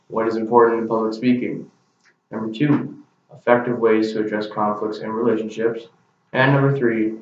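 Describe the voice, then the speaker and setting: A young man giving a class speech to a camera, with an earnest, plain delivery. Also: on the low side. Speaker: student. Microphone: camera mic. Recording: very echoey, distant, dull camera recording.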